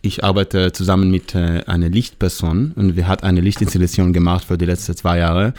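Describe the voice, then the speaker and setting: A young man from Israel with an Israeli accent, a musician guest speaking halting German with grammar slips. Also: low-pitched, level tone, darkish tone. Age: young adult.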